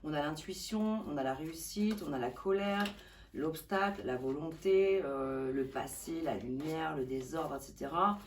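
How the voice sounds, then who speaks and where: A woman's voice: deep voice, normal speed, a little hiss or hum. Enthusiastic woman tarot reader, distant mic. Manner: enthusiastic, hesitant with many fillers; calm reading of card messages. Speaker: tarot reader and channel host. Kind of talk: casual vlog presenting tarot decks.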